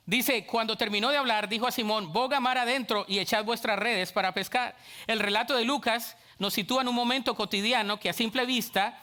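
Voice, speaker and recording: With a clean tone and a high, bright voice, a middle-aged Colombian pastor preaches a spirited sermon. He slips into playful impressions of church people while his delivery remains full of energy and warm toward his congregation.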